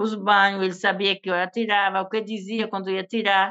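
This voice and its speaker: Here a woman talks in an ordinary speaking voice. Her pitch is medium and her pace moderate. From Northeast Brazil, rural quilombola community. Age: 60s. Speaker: quilombola elder and folk culture master. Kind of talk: testimony.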